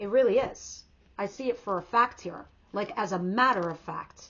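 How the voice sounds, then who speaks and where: A woman speaks in an animated tone at a medium pitch. Her pitch variation is ordinary. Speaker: tarot reader. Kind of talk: tarot reading to camera. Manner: loud.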